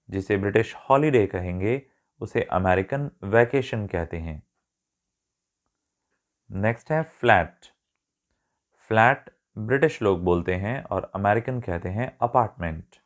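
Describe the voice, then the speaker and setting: A man teaching English vocabulary in a spoken lesson, explaining words, mixing English terms into his talk, spelling some out letter by letter and now and then correcting himself. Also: lowish voice. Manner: corrects himself mid-sentence.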